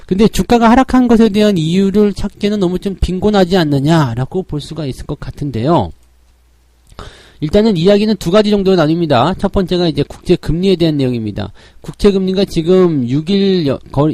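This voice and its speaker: A man with a slightly hoarse voice giving a daily stock market briefing, explaining each point step by step. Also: fairly high pitch, warm tone, no room sound. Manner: explanatory, frequent "자" openers.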